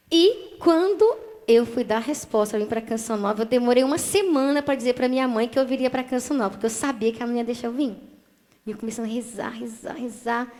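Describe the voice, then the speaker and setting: A woman's voice: on the high side, a little mellow. A Brazilian woman in her thirties with a Brazilian Portuguese accent, giving an earnest personal testimony as a TV guest and acting out the dialogue she quotes.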